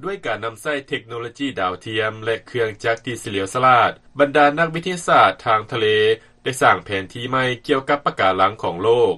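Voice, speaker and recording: A man with a Lao accent delivers a scripted news report. His voice is mid-pitched, with a sharp, forceful brightness. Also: animated, brisk, hardly any pauses.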